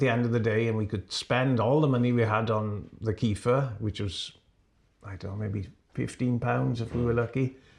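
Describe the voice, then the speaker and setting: Against a quiet background, a man speaks at a moderate pace and medium pitch with fairly even intonation. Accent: strong Welsh. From Wales, Ceredigion. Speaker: business founder. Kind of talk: interview.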